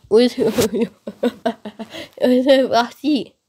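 This is a put-on character voice that sounds female. The pitch sits high for a woman. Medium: dub.

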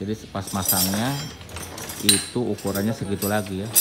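Loud background noise fills the recording. Through it, a man is speaking. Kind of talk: tutorial. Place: workshop. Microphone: phone near.

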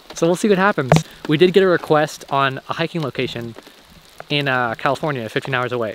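Over noticeable background noise, a man talks at a fairly quick pace with ordinary pitch variation and a dry sound with no echo. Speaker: vlogger. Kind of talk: casual vlog chat. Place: forest. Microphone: phone near.

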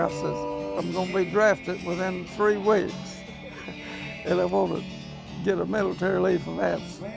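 At a moderate pace a man talks, with clear music behind him. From Tennessee, near Nashville. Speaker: war veteran worker, former security officer. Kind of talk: interview answer. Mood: cheerful, chuckling storytelling. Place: open country.

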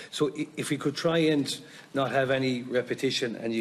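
A man with an Irish accent, ordinary pitch variation, and light background noise. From Ireland. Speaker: committee chair. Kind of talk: meeting chairing. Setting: committee hearing room. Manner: halting. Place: meeting room. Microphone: podium.

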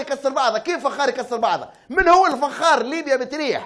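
In a quiet background, a man with a Libyan accent talks loudly in an animated tone with ordinary pitch variation. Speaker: political analyst. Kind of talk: TV political talk show interview. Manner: loud, raised voice. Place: studio. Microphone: lapel.

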